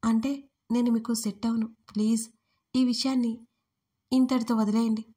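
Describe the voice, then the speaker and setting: A woman's voice: fairly high pitch, little pitch movement, moderate pace, mellow, husky. Indignant, stubborn young woman , voiced by the woman narrator, raised voice.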